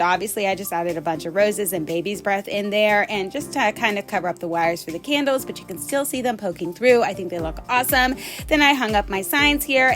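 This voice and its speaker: A woman in her thirties narrating a home decorating vlog, upbeat and gushing, her voice going hoarse. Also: medium pitch, fairly bright tone. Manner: enthusiastic, gushing, says "guys" often. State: losing her voice. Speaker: DIY home decor vlogger. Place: indoor room with curtains and fairy lights.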